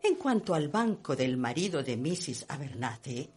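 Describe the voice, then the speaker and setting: A woman's voice: low-pitched, sing-song, normal speed, a little mellow, breathy edge, heavily acted. An actress playing a snobbish, gossipy society lady in a radio play, speaking in a haughty, emphatic, theatrical way. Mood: scornful gossip. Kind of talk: Spanish radio play acting.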